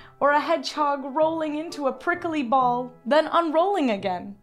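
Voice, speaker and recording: A woman's high, upbeat voice at a fairly slow pace, with music in the background. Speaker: host and story reader. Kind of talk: children's story reading. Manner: upbeat, friendly.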